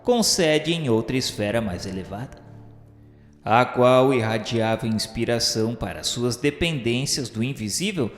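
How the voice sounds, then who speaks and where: A man with a Brazilian accent gives a solemn, formal, literary scripted narration, as the narrator of a radio novel. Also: medium pitch. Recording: echoey hall-like reverb. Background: music.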